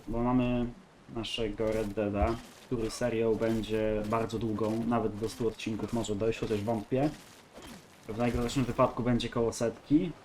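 A man's voice: mid-range voice, darkish tone, slight background noise. A man with a congested, nasal voice giving casual gameplay commentary, rambling and thinking aloud. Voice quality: nasal, stuffy nose. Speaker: gaming video host.

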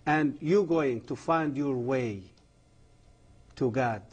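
A middle-aged man, a guest on a TV program, giving a fervent testimony in halting non-native English with frequent restarts. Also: medium pitch, slightly rough. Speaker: guest, former imam.

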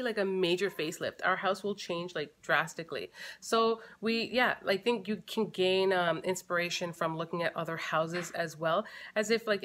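A woman in her thirties talks casually to a camera set close in front of her at home. Her voice sits a little low, and she thinks aloud as she goes, full of fillers and restarts. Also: a bit bright. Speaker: family vlogger. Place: living room at home.

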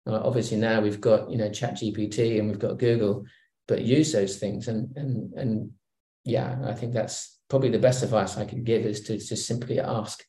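A middle-aged man from Hong Kong, a guest on a video call interview, speaking in a relaxed, reflective way with many fillers and restarts. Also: lowish voice, normal speed. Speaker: guest executive. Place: home room. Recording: roomy video call audio.

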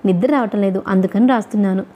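A woman voicing a quiet, cautious young husband in a storybook reading, in a reserved, measured way. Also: mid-range voice, close to an everyday voice. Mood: brooding.

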